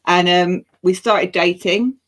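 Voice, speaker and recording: A woman's voice: fairly low pitch, slow pace. A woman from England in her thirties, a guest telling her story with frequent laughter over a video call. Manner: laughs often, lively storytelling. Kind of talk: casual chat.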